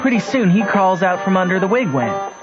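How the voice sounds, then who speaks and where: A man's voice: high voice, big pitch swings, fairly quick, over loud music. An actor playing a wry, plain-spoken country boy who narrates his adventures in folksy dialect for a radio drama. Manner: folksy ungrammatical drawl, matter-of-fact. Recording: muffled old radio recording.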